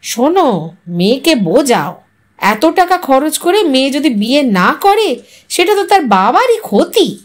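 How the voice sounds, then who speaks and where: A woman's voice: high-pitched, big pitch swings, a little slow. A woman storyteller voicing nagging, disapproving village relatives and neighbours in an audio story, in a scolding, gossipy manner. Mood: reproachful.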